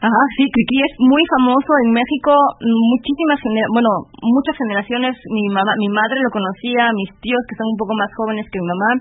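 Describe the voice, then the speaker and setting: This woman's fairly high voice, its pitch varying in an ordinary way, moves at a moderate pace while noticeable noise fills the background. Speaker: radio show co-host. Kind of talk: casual chat. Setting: studio.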